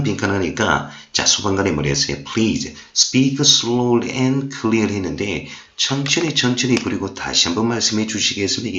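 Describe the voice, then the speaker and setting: A male English instructor giving a recorded online lecture, explaining words one by one and reading English examples slowly. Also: low voice, fairly bright tone. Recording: roomy, dull lo-fi recording.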